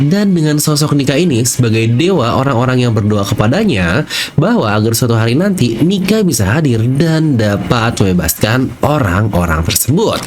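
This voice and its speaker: A man hosts a casual explainer with a very lively, swinging intonation at a middling pitch. He talks chattily straight to his viewers and stretches the ends of his phrases. There is some ambient noise behind his voice. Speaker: video host. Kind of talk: casual explainer commentary with slang and catchphrases.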